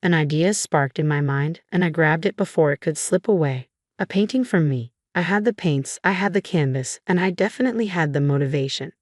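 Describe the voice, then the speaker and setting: Low-voiced woman narrating a story. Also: fairly quick, no echo, studio quality. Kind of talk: first-person story narration.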